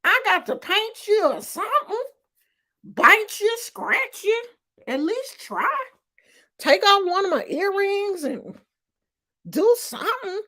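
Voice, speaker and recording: Slow-talking emphatic woman in her fifties. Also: extremely high pitch, very animated, pushed and bright. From Oakland, California. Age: 50s. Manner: emphatic, streetwise storytelling. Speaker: vlogger. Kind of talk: casual commentary vlog.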